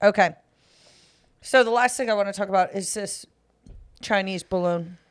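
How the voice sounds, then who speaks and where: A woman's voice: medium pitch, normal speed, smooth. An American woman co-hosting a comedy podcast, joking brashly and laughing often. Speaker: podcast co-host. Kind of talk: casual comedy podcast chat.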